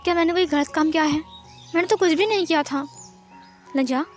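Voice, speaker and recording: A woman acts out a caring young husband who questions firmly and will not take no for an answer. The voice stays high, close to the reader's own. Soft music plays faintly behind. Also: brisk, close to an everyday voice. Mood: worried. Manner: firm, insistent questioning.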